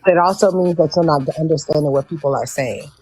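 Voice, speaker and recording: A woman's voice: deep voice, a little fast, a little mellow, breathy edge, poor audio. A woman with an African American English accent talks on a live panel. She is blunt and impassioned, stressing her points by repeating phrases in casual speech. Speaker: panel speaker.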